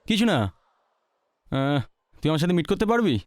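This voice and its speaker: A man's voice: a little high, animated, moderate pace, clean tone, dry recording, studio quality, natural voice. An actor playing an impatient young man who presses a friend to meet him, in film dialogue. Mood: insistent. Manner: insistent, coaxing. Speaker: film character.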